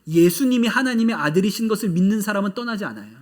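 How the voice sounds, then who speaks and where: Pastor guy preaching, high voice, chatty but earnest, says things twice for emphasis. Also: animated, fast talker. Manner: earnest and conversational, repeating key phrases for emphasis. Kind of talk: sermon.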